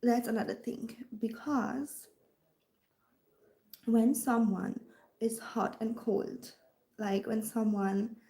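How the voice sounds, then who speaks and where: A woman's voice: fairly high pitch, fairly even intonation, takes it slowly, long pauses, warm tone, roomy sound. A woman with a German accent, a dating coach talking casually to viewers on a live stream, often dropping into a whisper and answering comments as she goes. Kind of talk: livestream talk to viewers.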